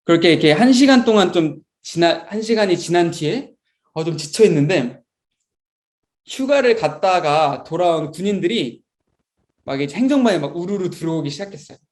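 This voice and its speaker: A young man, a Sunday school teacher, telling a story to children in a lively, expressive way. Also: high voice, moderate pace.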